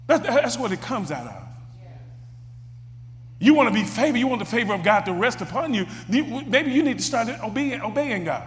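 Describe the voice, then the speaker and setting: A preacher with a strikingly high voice delivers a sermon, stumbling over and repeating words as he builds toward shouts. His voice rings out with a long echo, as in a large hall. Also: sing-song, normal speed, a little hiss or hum.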